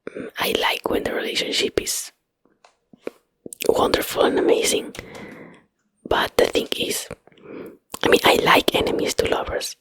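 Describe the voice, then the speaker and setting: Female ASMR host, Spanish accent, native Spanish speaker. Breathy whisper, dry and close-miked, hesitant casual rambling. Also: fairly bright tone, dry recording, low-quality recording. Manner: hesitant, rambling, searching for English words. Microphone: close microphone.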